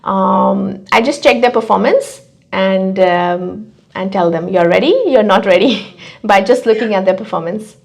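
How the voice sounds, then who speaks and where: A woman's voice: mid-range voice, measured pace, vocal fry. A woman teacher co-hosting a casual question-and-answer chat, giving direct advice and putting questions. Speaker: exam prep teacher, co-host.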